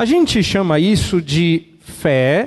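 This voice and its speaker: A man's high-pitched voice moves through very wide pitch swings at a very slow pace. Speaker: pastor and university professor. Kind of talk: sermon.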